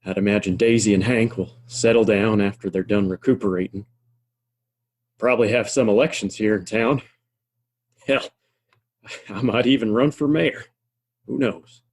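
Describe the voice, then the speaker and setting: A man's voice: fairly low pitch, normal speed, pauses often, darkish tone, breathy edge. An American actor playing a kindly, wry frontier townsman in a Western audio play, with a folksy, plainspoken, reassuring drawl.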